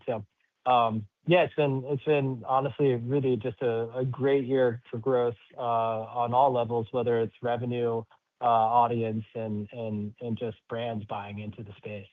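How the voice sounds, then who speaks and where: A man speaking as a company executive answering questions on an earnings call, halting, rambling and upbeat. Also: medium pitch, level tone, no echo. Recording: slightly muffled, dry call audio.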